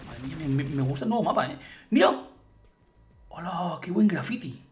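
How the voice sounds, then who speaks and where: A man from Spain with a Spain Spanish accent, giving excited reaction commentary on a game update and calling out to his viewers. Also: fairly high pitch, moderate pace, a little hiss or hum. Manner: excitable, exclamatory, keeps addressing viewers as guys. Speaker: gaming YouTuber.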